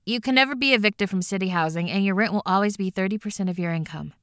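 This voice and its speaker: A woman playing a bright cheerful caseworker. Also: mid-range voice, fast talker, clean tone, no echo, clean studio sound, close to an everyday voice. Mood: reassuring. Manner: cheerful, reassuring, businesslike. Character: upbeat adult woman housing caseworker. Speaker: housing phone agent.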